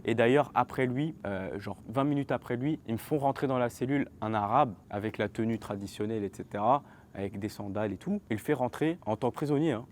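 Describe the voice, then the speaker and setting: A man in his twenties, telling an animated story straight to his viewers in a casual storytime vlog. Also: medium pitch, a little hiss or hum. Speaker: vlogger.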